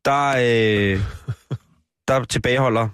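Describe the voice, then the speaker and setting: En mandlig radiovært i en komisk snak, der med gravalvorlig, tør tone læser lokale politinyheder op og ofte tøver og starter forfra. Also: male voice, medium pitch, smooth, no echo. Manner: mock-solemn, deadpan reading of news; many fillers and hesitant restarts. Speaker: radio comedy host. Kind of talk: improvised comic radio banter. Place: radio studio.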